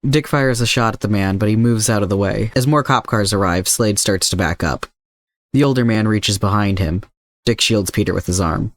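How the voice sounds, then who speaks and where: A man's voice: fairly low pitch, moderate pace, no echo. A man reading scripted fiction aloud as the narrator of an adventure story. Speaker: fan fiction podfic narrator.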